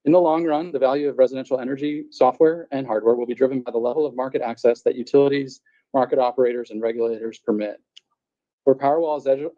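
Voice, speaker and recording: Very dark-voiced man, brisk and muffled. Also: mid-range voice. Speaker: company representative. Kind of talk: prepared earnings call remarks. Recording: muffled, band-limited conference call audio.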